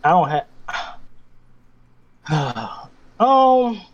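A man's voice: high-pitched, very animated, very slow, highs cut off. A male singer talking casually as a guest, laid-back and chatty, often laughing. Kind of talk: casual conversation.

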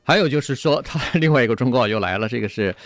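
A man co-hosting a radio talk show, calmly passing on points from an article and agreeing with his partner. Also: mid-range voice, fast, dry recording, studio quality. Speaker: radio co-host. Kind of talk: casual radio discussion.

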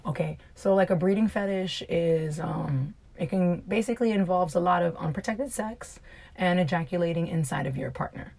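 A woman's voice: lowish voice, moderate pace, vocal fry, darkish tone. Frank woman co-hosting a candid chat. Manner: explains things patiently, laughs often. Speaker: podcast co-host.

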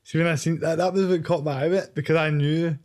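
Higher-pitched Scottish man chatting casually. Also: fairly even intonation, fast talker, a little mellow. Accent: Scottish, Glasgow. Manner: slangy, informal. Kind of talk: casual chat.

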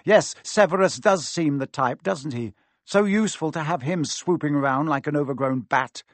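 A coolly menacing schoolmaster villain, acted by a male narrator. The voice is sharp, smug and deliberate, a shade high and very dry. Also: dry recording. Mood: mocking. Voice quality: cold, sharp. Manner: cool, mocking, deliberate.

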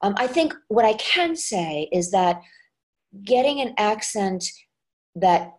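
A woman's voice: medium pitch, sing-song, takes it slowly. A woman dialect coach and actress, talking casually in an interview with many restarts and fillers.

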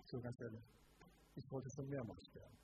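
A man's voice: medium pitch, steady tone, normal speed, dark tone. Emphatic male preacher, noisy live sermon. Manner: emphatic, asks the congregation direct questions. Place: church service before a congregation.

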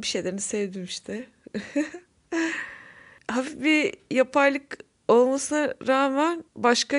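Woman DJ, slightly high voice, frank and easygoing between tracks. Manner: chatty, laughing often, frank. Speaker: radio show host. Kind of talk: casual music show chat.

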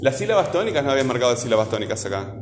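Firm teacher, echoey classroom. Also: male voice, medium pitch, sing-song, rapid-fire, background noise. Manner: firm, insistent, tags sentences with "¿verdad?". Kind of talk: classroom teaching and scolding a student. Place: school classroom.

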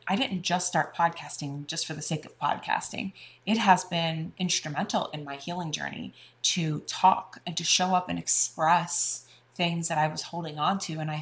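A woman's voice: low voice, creaky. A woman hosting a podcast, talking casually and directly to her listeners about her practice. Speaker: podcast host and energy healer.

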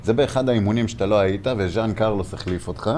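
A man's voice: fairly low pitch, a little mellow, a little hiss or hum. A man hosting a casual podcast interview, asking probing questions conversationally with fillers. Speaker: podcast host.

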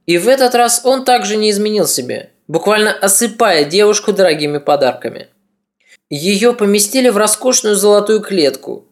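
A podcast narrator giving a scripted historical narration, measured storytelling with ironic asides. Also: mid-range voice.

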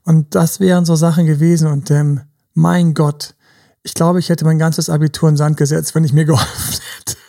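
A man's voice: fairly high pitch, flat delivery, normal speed, gravelly, warm tone. A man, a dating coach, musing in a casual podcast chat and acting out advice to his younger self, now and then dropping into a whisper and slipping in English words. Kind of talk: casual reflective podcast talk.

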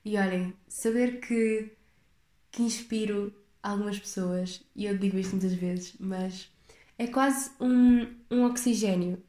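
Young woman, European Portuguese accent, podcast host, rambling casual chat, reflective, mellow tone, mid pitch. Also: roomy sound. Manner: rambling, reflective, chatty with restarts.

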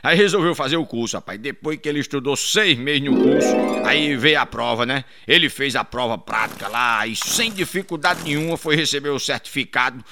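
A man telling a string of jokes. He tells them in a lively way and slips into character voices along the way. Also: mid-range voice, a little fast, few pauses, noisy background. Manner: lively storyteller, drops into character voices and laughs at his own punchlines. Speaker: joke teller.

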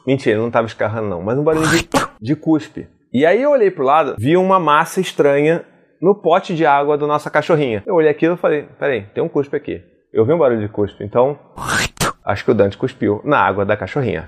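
A man, a father talking casually to camera in a vlog and telling an animated story. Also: mid-range voice. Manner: animated storytelling, acts out dialogue. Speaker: parenting vlogger, father.

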